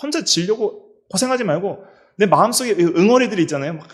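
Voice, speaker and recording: A man's voice: sits high, lively intonation, fast talker. A middle-aged man, a pastor with a Daegu-region Korean accent, preaching a sermon in a church and asking his listeners many questions. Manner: preaching with rhetorical questions and repetition. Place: church sanctuary.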